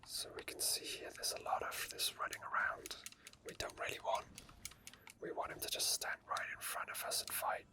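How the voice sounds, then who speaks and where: A man speaks in a soft, breathy whisper throughout, with barely any voicing. He gives unscripted ASMR commentary on a video game as he plays. His delivery is murmured and hesitant, full of small asides. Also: normal speed. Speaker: game streamer.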